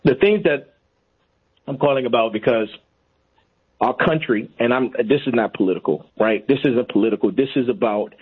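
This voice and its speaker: Husky-voiced man calling in by phone. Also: medium pitch, moderate pace. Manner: earnest, repeats himself for emphasis. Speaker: caller. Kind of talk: call-in radio. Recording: tinny phone line.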